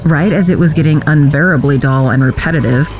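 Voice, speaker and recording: A woman's voice: sits low, fairly quick, a little mellow, soft background music, rough recording. A woman acting in an audio drama as a wry, guarded character who recalls a youthful misadventure in a dry, sardonic manner. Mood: recounting. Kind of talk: audio drama narration and dialogue.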